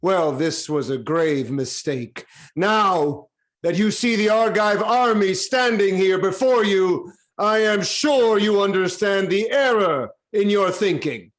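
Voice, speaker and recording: A man's voice: high voice, lively intonation, slow. An actor playing a proud, commanding king in a Greek tragedy reading, speaking with stern, declamatory authority. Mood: outraged. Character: proud, commanding king defending suppliants of his city. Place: online video-call reading.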